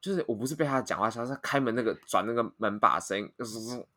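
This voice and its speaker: A man's voice: medium pitch, rapid-fire, slight background noise. A young man, co-hosting a podcast and rambling through a story with lots of restarts. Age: young adult. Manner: rambling, restarts often, animated retelling. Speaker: podcast co-host. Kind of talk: casual storytelling chat.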